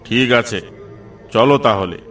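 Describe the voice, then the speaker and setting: Man voicing a bossy cartoon cop, lowish voice, distant, music behind. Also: unhurried, fairly bright tone. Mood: stern. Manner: commanding, dismissive. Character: gruff middle-aged police officer, bossy.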